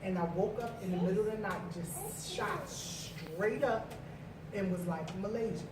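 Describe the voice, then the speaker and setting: A woman shares a personal story in an earnest, animated way, as if chatting with friends. She is picked up from across an echoey room, with steady noise behind her. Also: mid-range voice, measured pace. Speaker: guest. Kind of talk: casual storytelling. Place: home with friends. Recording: far mic, echoey room, noisy.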